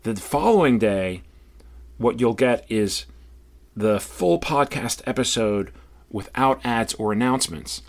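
A man with a medium-pitched voice hosts a podcast. He talks to listeners and guests in an interview-show style. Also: lively intonation, a little slow. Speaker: podcast host.

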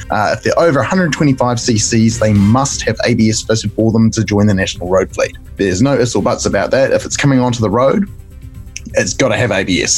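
A man with a croaky, creaky voice after a cough, explaining news conversationally as a podcast co-host. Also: mid-range voice, a little mellow, low-quality recording. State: recovering from a bad cough.

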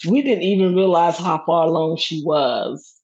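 A middle-aged woman telling a personal story as a guest, lively and laughing often as she acts out what others said. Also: on the low side, moderate pace, breathy edge. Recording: dull lo-fi recording.

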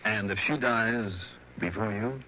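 A man's voice: lowish voice, unhurried, slight background noise, natural voice. An actor playing a laconic male insurance investigator who narrates his own case in a 1960s radio drama. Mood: probing. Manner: dry, laconic first-person narration. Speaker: narrator and lead. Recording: dull lo-fi old radio broadcast with music.

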